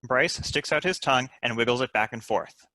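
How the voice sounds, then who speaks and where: A man's voice: mid-range voice, a little fast, pushed and bright, no echo, rough recording. A man reading screenplay stage directions as scripted narration.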